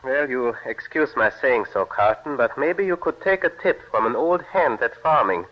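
Guy doing a blunt old farmer neighbor in a vintage radio play, middle-pitched, muffled old recording. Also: expressive, moderate pace, lightly acted. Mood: neighborly. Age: older. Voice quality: folksy, plainspoken rural speech. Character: weathered older male farmer, neighborly and blunt. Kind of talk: 1940s radio acting.

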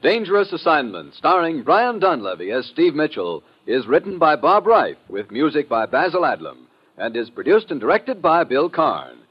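Casting: American male show announcer, vintage radio, scripted intros and credits, dramatic pitch sweeps, dulled recording. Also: wildly swooping pitch, moderate pace, husky, lo-fi sound.

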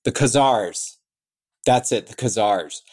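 A man's voice: fairly low pitch, slow pace, a little mellow, slightly rough. A man in an interview explaining how he built a language, thinking aloud with many fillers and restarts. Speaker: conlang creator answering questions.

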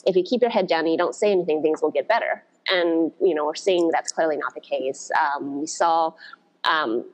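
Woman, low voice, podcast guest, reflective, storytelling pace. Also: normal speed, poor audio. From United States. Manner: reflective, storytelling, frequent "you know". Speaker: podcast guest, blues dance organizer. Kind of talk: conversational interview.

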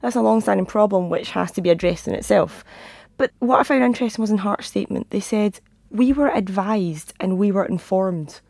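A woman with a croaky, husky voice, giving her opinions as a guest on a football podcast in a studio. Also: mid-range voice, a little fast, hardly any pauses, darkish tone, no room sound. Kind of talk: lively opinionated football discussion.

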